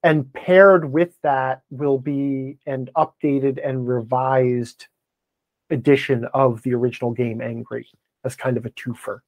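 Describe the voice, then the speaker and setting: A man's voice: medium pitch, steady tone, a little slow, no echo, rough recording. A man speaking as a podcast guest in a conversational interview, wordy and opinionated as he explains things. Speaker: podcast guest, game blogger and author.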